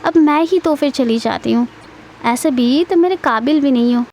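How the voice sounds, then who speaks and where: A woman's voice: high voice, moderate pace, darkish tone, a little hiss or hum. A woman reading a hurt, angry young mother.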